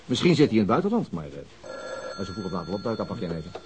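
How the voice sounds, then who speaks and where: Police detective, quick-talking, lively intonation, brisk, explanatory, radio drama, faint hiss. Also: male voice, deep voice. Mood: matter-of-fact. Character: brisk, matter-of-fact male police detective briefing colleagues.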